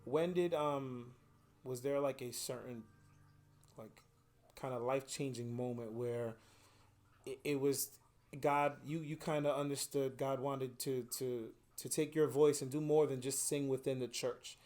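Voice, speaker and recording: A man's voice: medium pitch, steady tone, unhurried, darkish tone. A man hosting an interview, asking long rambling questions and often agreeing with short affirmations. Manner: chatty, with frequent affirmations. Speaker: interview host. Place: day spa.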